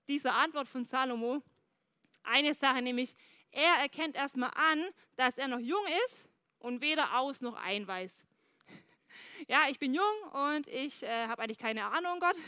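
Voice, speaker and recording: Female preacher, high bright voice, dry close sound; lively sermon delivery, addresses the congregation directly. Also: no room sound. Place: church service.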